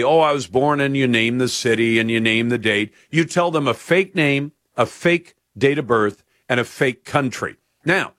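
Man, radio host, slightly high voice, dry close studio sound, emphatic and opinionated. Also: fairly bright tone, dry recording. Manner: emphatic, acts out quoted exchanges. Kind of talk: opinionated radio monologue and call-in.

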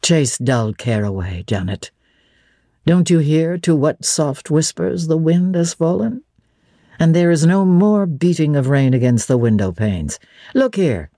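A woman voicing a brooding, commanding gentleman. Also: deep voice, expressive, a little slow, dry recording, studio quality, exaggerated voice. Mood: tender. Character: brooding commanding gentleman, middle-aged man.

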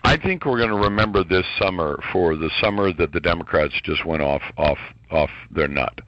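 A man's voice: deep voice, expressive, moderate pace, highs cut off. A man talking as a radio guest in a combative, indignant, punchy way. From born in Taiwan to American parents. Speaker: talk radio host, guest. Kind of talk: radio talk interview. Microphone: studio microphone.

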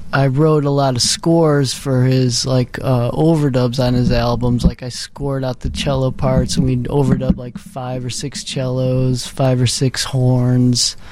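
Laid back guy on radio, warm mellow voice, lots of ums. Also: medium pitch. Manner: relaxed, rambling, many ums. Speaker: music professor and multi-instrumentalist. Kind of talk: casual radio interview talk. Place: radio studio.

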